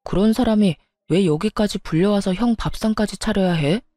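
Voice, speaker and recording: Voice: mid-range voice, normal speed, warm tone, no echo, studio quality, soft background music, close to an everyday voice. A voice actor playing a young married man who stands up for his wife against his mother, in a dramatized story reading. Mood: protesting. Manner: firm, exasperated.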